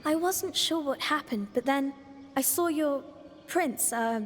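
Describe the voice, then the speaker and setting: An actress playing an enigmatic, playful girl guide in a mythic Persian video game, with a cryptic, gently teasing manner. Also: sits high, measured pace, slight background noise. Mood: reassuring, teasing. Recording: long reverb, faint music behind.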